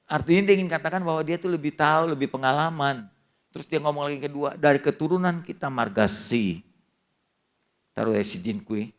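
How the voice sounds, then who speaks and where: An older man preaching a sermon as pastor, telling a family story in a lively way and mixing casual slang into it. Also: on the high side, fast.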